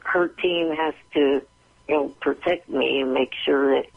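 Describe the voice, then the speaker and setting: A male caller with an extremely creaky, gravelly and somewhat high voice speaks in blunt, halting phrases. He sounds stubborn, phoning in to a show over a lo-fi telephone line. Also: steady tone. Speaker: regular phone-in caller. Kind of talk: phone-in talk.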